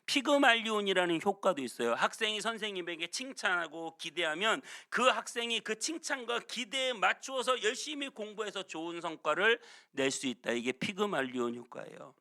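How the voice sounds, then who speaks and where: A male pastor preaching a sermon, telling a story with lively delivery and acting out the people he quotes. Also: sits high, moderate pace, hardly any pauses. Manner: animated storytelling, acts out quotes. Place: church sanctuary.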